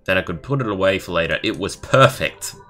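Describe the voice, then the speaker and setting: A young man live streaming, reading a story aloud in a halting way and adding casual comments of his own. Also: low voice, animated, bright, forceful tone. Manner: halting, stumbling over words while reading. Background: background music.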